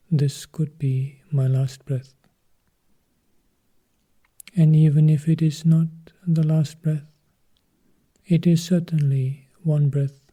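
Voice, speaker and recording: A man guides a meditation at a very slow, unhurried pace, letting long pauses sit between short phrases. His voice is deeply mellow and dark, with a husky, breathy grain that often drops to a half-whisper. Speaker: Buddhist monk leading meditation.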